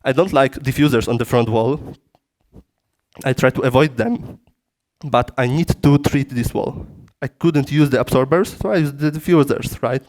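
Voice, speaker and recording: A man with a Polish accent giving a technical lecture in a conference room through a PA system, in halting English with frequent restarts. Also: mid-range voice, a little mellow. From Poland. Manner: halting non-native phrasing with frequent restarts.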